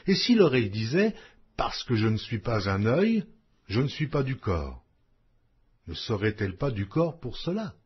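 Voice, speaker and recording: A man reading scripture aloud as a scripted audiobook, solemn and measured, with declamatory phrasing. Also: medium pitch, sing-song, husky. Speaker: audiobook Bible reader. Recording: dull lo-fi audio.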